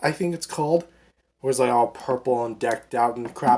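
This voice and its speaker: Putting on a character voice, the man speaks with a raspy tone at a medium pitch. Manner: monotone, flat.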